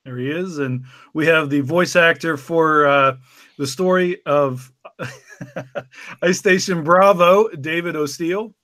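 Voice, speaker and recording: A man's voice: fairly high pitch, slow, pushed and bright, no echo, clean studio sound. A man hosting a podcast and introducing his guests with chatty jokes. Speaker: podcast host.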